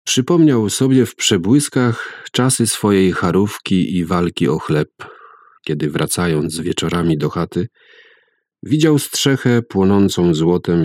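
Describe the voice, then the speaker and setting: A man narrating a story aloud in a measured, calm reading voice. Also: sits low, no echo, clean studio sound.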